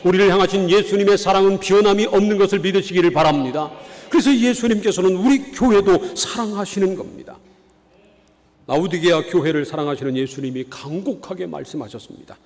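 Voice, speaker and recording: A man's voice: sits high, fairly quick, a little mellow. A man from the Chungcheong region preaching a sermon as pastor, earnest, with rhetorical questions to the congregation. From Chungcheong, South Korea. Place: church sanctuary. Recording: long reverb of a church hall.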